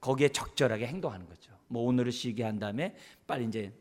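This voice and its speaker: A man's voice: medium pitch, fast talker, darkish tone. A man preaching as a pastor at a church service, often putting rhetorical questions to the congregation. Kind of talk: sermon on parenting.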